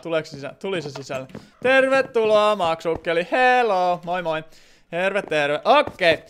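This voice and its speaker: A man's voice: high-pitched, expressive, a bit bright, slight background noise. A man casually commentating his game stream, playful and chatty with lots of fillers.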